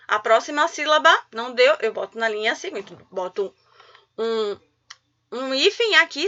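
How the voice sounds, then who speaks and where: A woman teaching a children's video lesson, drawing out syllables in a lively classroom voice. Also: fairly high pitch, lo-fi sound. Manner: lively, syllable-stretching teacher talk to kids.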